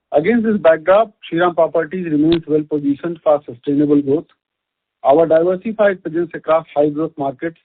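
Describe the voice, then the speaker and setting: A man with an Indian accent reads a scripted corporate earnings presentation as a company executive, formal and measured, over a conference call line. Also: fairly high pitch, breathy edge. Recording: muffled band-limited conference call audio.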